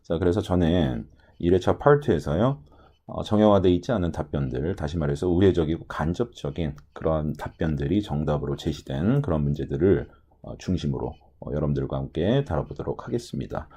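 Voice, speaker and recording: A man's voice: a bass voice, lively intonation, a little fast, dark tone, breathy edge. A man teaching a listening lesson for an English test, explaining answers step by step with many short filler words and spoken pronunciation examples. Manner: filler-heavy lecturing, frequent "ja" and "ye". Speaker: TOEIC listening instructor.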